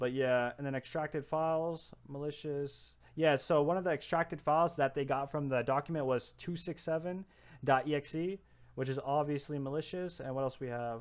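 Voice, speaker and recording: Recorded very cleanly against a silent background, a man speaks at a fairly high pitch with fairly even intonation. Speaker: cybersecurity instructor. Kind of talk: tutorial. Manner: casual, filler-heavy; quick.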